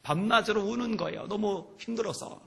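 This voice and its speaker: A male pastor preaching a sermon with fervor, often rising to shouts. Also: sits high, fairly quick, creaky.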